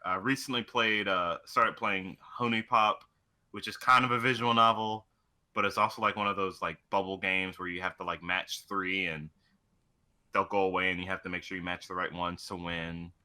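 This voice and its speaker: A man's voice: sits low, sharp tone. A man chatting casually as co-host of a video game show, swearing freely as he goes. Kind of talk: casual chat.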